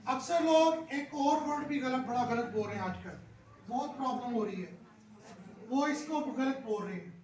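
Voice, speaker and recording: A woman lecturing a workshop on pronunciation, repeating words slowly and often checking that her listeners follow. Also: high-pitched, expressive, darkish tone. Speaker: pronunciation trainer. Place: classroom or workshop hall. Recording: echoey room from far off, audience noise. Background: audience of teachers.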